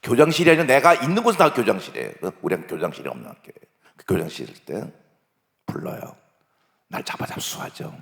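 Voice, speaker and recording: A pastor in his sixties preaching a sermon, stressing points loudly and then dropping almost to a whisper. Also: mid-range voice, huge pitch swings, rapid-fire, vocal fry, in a large hall. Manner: emphatic, swings from loud declarations to near-whispers. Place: church sanctuary.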